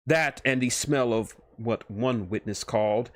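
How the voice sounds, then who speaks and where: A man's voice: medium pitch, a little slow, dry recording, clean studio sound. A man streaming a read-aloud of fan fiction as narrator, stumbling over words and correcting himself now and then.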